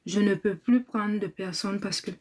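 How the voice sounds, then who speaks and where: On a live stream, a tired woman who is convalescing and trains people in the cosmetics business chats casually, reading viewer comments aloud, thanking them, praying aloud, and often repeating words. Her mid-range voice moves at normal speed over a background crowd.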